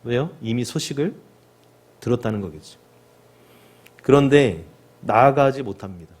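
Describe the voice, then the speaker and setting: A male pastor preaching a sermon, often asking the congregation questions and loudly acting out the cries of the sick. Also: medium pitch, animated, normal speed. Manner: asks the congregation rhetorical questions and acts out the lepers' cries.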